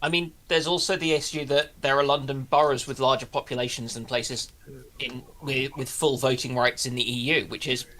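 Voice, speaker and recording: A man's voice: mid-range voice, steady tone, a little fast, a bit bright, slight background noise. A man speaking as a panellist in casual chat, hesitant as he searches for his words.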